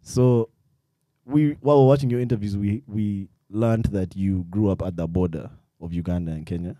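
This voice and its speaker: A man's voice: fairly low pitch, fairly even intonation, normal speed, warm tone, no echo, studio quality. A man hosting a podcast, chatting casually and teasing his guest playfully. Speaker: podcast host.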